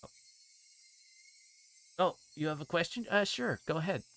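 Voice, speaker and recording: A man livestreaming a visual novel, reading it aloud and chatting to viewers in a hesitant, halting way. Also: fairly high pitch, lively intonation, fairly bright tone.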